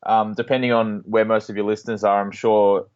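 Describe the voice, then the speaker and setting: An Australian man talks as a podcast guest, relaxed and full of ums and restarts. His voice sits fairly low. It comes through a dull, lo-fi line that cuts off the top end. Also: fairly quick, smooth. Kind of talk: casual interview talk.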